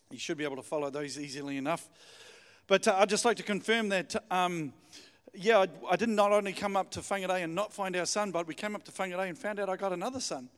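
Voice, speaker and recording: A man's voice: high voice, fairly bright tone. A middle-aged man preaches informally, urging his congregation and repeating phrases for emphasis. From New Zealand. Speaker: guest pastor. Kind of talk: sermon to a congregation. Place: church hall, speaking to congregation. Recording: reverberant hall sound.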